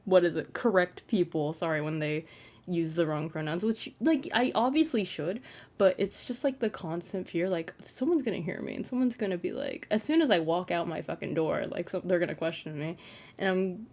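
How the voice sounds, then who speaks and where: A young trans man with a feminine-sounding, fairly flat voice, rambling self-consciously in a casual late-night vlog from his bedroom, full of "like" fillers. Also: high-pitched, moderate pace, vocal fry. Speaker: content creator.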